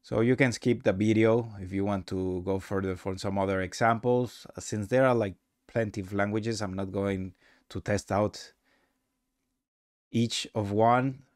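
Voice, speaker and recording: A man narrating a casual software tutorial with halting, rambling phrasing. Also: fairly low pitch, fairly even intonation, no echo, clean studio sound. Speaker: presenter of a software demo.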